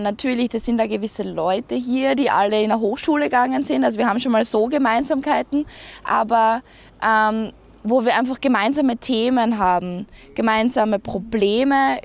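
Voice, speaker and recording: Young woman chatting, bit high, lots of vocal fry. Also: darkish tone. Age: young adult. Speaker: interviewee. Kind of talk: casual reflective talk.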